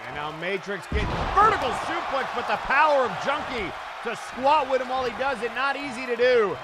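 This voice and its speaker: A man doing dramatic, excitable play-by-play as a wrestling commentator, with a crowd behind him. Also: extremely high pitch, brisk. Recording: loud crowd noise behind voice.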